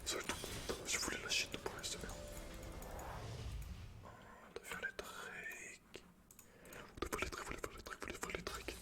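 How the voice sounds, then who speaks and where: A man's voice: a little slow, long pauses, pushed and bright. A man doing casual, slangy ASMR gaming commentary as the host, swearing now and then.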